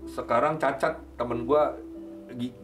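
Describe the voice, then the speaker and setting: A man hosting a podcast, telling a story in casual chat and acting out his friends in sudden high voices. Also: measured pace, over loud music. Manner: animated, jumps up high when acting out friends.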